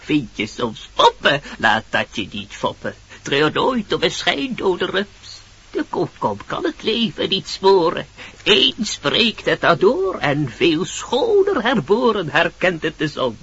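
Poetic butterfly herald, wildly animated, husky, slow lilting verse, muffled radio recording. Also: male voice, high voice, heavily acted. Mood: exuberant, consoling. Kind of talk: theatrical rhymed radio play.

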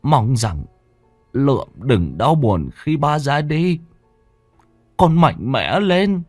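A man voicing a frail, sick old father who speaks slowly with a trembling, pleading voice. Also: mid-range voice, very animated, a little mellow, no room sound, soft background music, pitched above the performer's own voice. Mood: sorrowful. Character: frail disabled old father, gravely ill and resigned.

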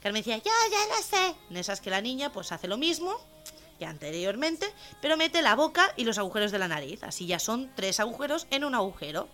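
A woman co-hosting a local radio comedy show, telling jokes in a lively storytelling way. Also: fast. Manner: lively storytelling, jumps into high voices for joke characters.

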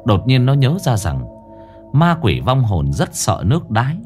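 A man's voice: medium pitch, unhurried, husky, faint music behind. Dramatic male horror storyteller. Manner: dramatic, expressive delivery. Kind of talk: scripted horror story narration.

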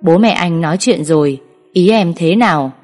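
A woman reading a story aloud, voicing a calculating young man who speaks in a flat, dismissive, quiet way. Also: on the low side, moderate pace, faint music behind, close to an everyday voice. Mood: cold dismissive.

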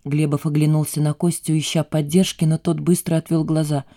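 A woman narrating an audiobook in a steady, measured storytelling manner. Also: sits low. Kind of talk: scripted narration.

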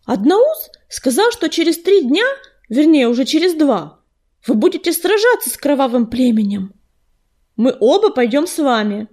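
A woman voicing an eager loner tomcat who speaks up loudly and excitedly. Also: high voice, normal speed. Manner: eager, exclaiming.

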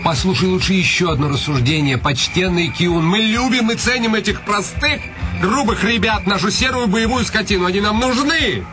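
A man's voice: high-pitched, moderate pace, music in the background, lightly acted. An actor playing a haughty, ironic nobleman in a radio drama, with a pompous, mocking delivery. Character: haughty nobleman on horseback, ironic, restless for a fight.

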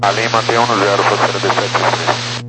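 A man's voice: lowish voice, quick pace, loud music behind the voice, low-quality recording. A man speaking as a pilot, making procedural calls and readbacks over an aviation radio. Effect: aviation radio transmission.

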